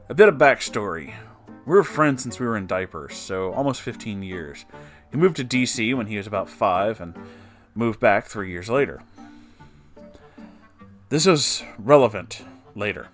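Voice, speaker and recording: A man's voice: fairly low pitch, lively intonation, moderate pace, long pauses, fairly bright tone, soft background music. A man narrator reading a written personal story aloud, with brief asides of his own. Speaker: narrator reading online stories.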